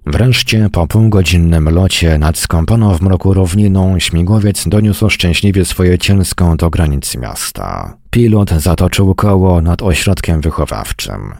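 A man narrating an audiobook in a measured storytelling manner. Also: low voice, animated, gravelly, darkish tone, no room sound, studio quality. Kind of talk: scripted narration.

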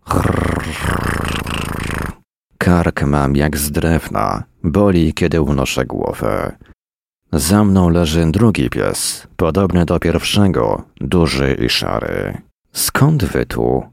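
A man reading a first-person story in a weary, deadpan manner at a close mic. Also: extremely low pitch, slow pace, creaky, dry recording. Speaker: narrator.

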